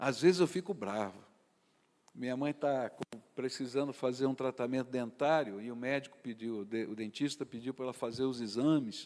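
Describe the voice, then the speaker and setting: With a plain, everyday voice, this man talks at a moderate pace, his pitch medium and its variation ordinary. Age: 60s. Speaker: pastor. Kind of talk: sermon. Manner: conversational.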